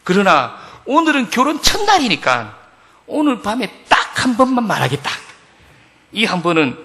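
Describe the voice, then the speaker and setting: A man voicing a blunt, gruff young groom with a Gyeongsang accent, making a loud, curt declaration. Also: high-pitched, wildly swooping pitch, normal speed, big-room sound, voice pushed up, exaggerated voice. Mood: declaring. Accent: Gyeongsang dialect.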